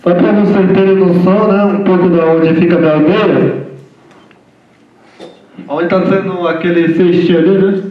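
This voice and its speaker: Halting man in an echoey lecture hall. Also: high-pitched, steady tone. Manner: halting, repeats "né?" constantly. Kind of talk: informal lecture talk. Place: lecture room. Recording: echoey hall from far off, dull sound.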